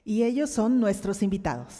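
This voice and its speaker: A woman's voice: mid-range voice, sing-song, normal speed, warm tone. A woman moderating a panel courteously, introducing and prompting guests in a polite style. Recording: long reverb of a hall.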